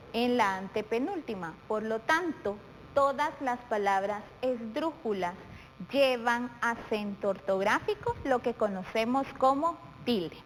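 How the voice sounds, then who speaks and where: A middle-aged woman teaches a televised class for young children, her voice pitched fairly high. She speaks patiently and deliberately, stretching out words syllable by syllable. A faint reverb and light noise hang behind her. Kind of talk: televised primary-school lesson.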